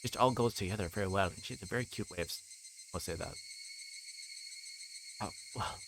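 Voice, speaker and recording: A man's voice: on the low side, brisk, fairly bright tone, a little hiss or hum, low-quality recording. A man livestreaming a visual novel, reading narration aloud with casual asides, often stumbling and rereading lines. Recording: music playing behind the voice.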